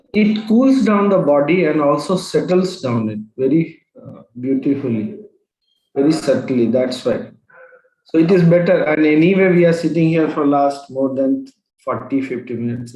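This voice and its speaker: A man as spiritual teacher, gently guiding a group meditation over a video call. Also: a little high, reverberant, rough recording. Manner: gentle, unhurried and encouraging. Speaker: spiritual teacher leading a session.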